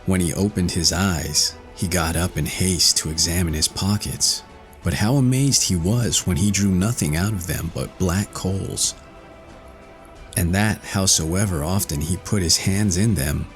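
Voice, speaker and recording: A man's voice: low voice, unhurried, soft background music. A man reading a fairy tale as an audiobook narrator, in a scripted storytelling style.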